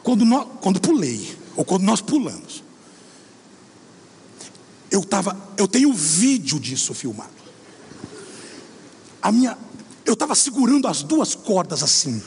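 A middle-aged man preaching a sermon, telling a story with lively acted-out dialogue. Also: sits high, unhurried, pauses often, slightly rough. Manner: animated storytelling, acts out dialogue. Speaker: pastor. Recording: long hall reverb.

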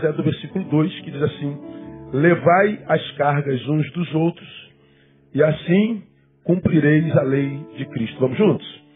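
Carioca preacher on a thin, phone-like recording. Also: male voice, medium pitch. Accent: Brazilian, Rio de Janeiro. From Rio de Janeiro, Brazil. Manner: repeats and rephrases words for emphasis. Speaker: pastor preaching. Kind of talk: sermon, conversational teaching to a congregation. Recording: thin phone-like sound, guitar music behind.

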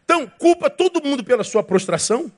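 A male pastor with a Brazilian Portuguese accent, preaching a sermon in a lively way and acting out quoted voices with humor. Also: very high-pitched, quick pace.

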